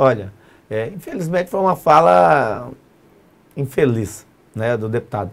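Pausing long and often, a man talks at a fairly slow pace with very wide pitch swings. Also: medium pitch for a man. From Mato Grosso, Brazil (Várzea Grande); Mato Grosso, Brazil. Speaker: state politician; interviewee. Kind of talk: interview. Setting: studio. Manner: halting, many fillers. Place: studio. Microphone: lapel.

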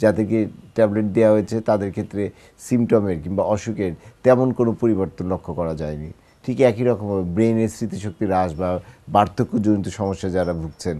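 His voice fairly low in pitch, a man speaks in a dark, mellow tone with ordinary pitch variation. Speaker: TV presenter, doctor. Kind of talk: TV health talk show presenting. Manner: formal.

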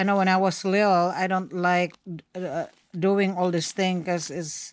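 A woman's voice in a dry sound with no echo. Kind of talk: casual vlog chat. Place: home room. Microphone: phone near.

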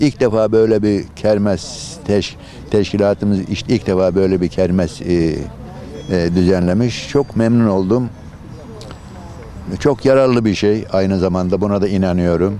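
Very even in loudness, the speech moves at a fairly slow pace with ordinary pitch variation against noticeable background noise. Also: man, fairly low pitch for a man. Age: 80s+. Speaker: retired police chief. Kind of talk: interview answer.

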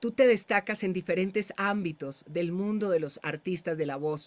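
Her pitch fairly low with ordinary variation, a woman speaks at a moderate pace. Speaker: voice and speaking coach, interview host; speaking coach, interview host. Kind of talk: interview. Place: home room.

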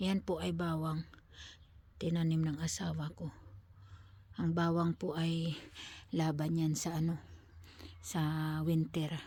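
Very slow and somewhat breathy, a woman speaks in a dark, mellow tone with monotone, flat intonation and long, frequent pauses. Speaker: vlogger. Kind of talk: casual vlog tour of plants. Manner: halting, many fillers.

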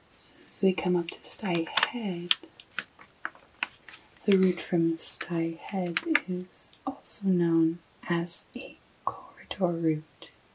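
Soft-spoken talk in an American accent, at a very slow pace with long, frequent pauses and noticeable background noise. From United States. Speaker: ASMR creator. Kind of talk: ASMR map tracing narration.

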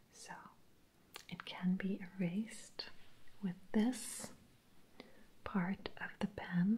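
A woman whispering. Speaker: presenter. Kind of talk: soft-spoken ASMR-style explanation. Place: home room.

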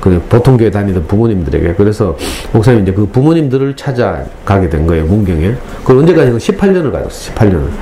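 The speech races along at a very fast pace with very wide pitch swings over light background noise. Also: man, fairly low pitch for a man. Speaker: lecturer. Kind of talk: lecture. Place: classroom. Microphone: headset.

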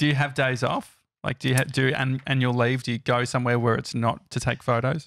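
Someone with an Australian accent talks at a fairly quick pace in a monotone, flat intonation, the sound dry with no echo. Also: man. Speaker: podcast host. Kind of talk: casual chat. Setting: studio. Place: studio. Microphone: studio mic.

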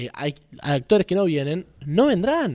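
With very wide pitch swings, a man speaks in a dark, mellow tone against a quiet background. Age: 20s. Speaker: political scientist; podcast guest or host. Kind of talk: casual political chat. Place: studio. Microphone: studio mic.

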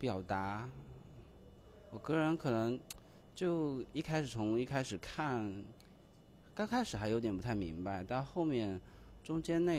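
A man at a fairly slow pace, with very wide pitch swings over light background noise. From Guangxi, China. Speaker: film festival audience member. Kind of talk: vox pop interview. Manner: hesitant, many fillers. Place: hall. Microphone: handheld.

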